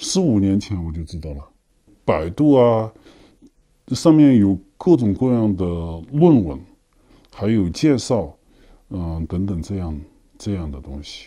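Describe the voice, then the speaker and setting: Set against a quiet background, a man with a dark, mellow tone and fairly low pitch speaks at a fairly slow pace with long, frequent pauses and very wide pitch swings. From Sichuan, China. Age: 40s. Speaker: patient. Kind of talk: interview. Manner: halting, with repetitions and fillers. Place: office.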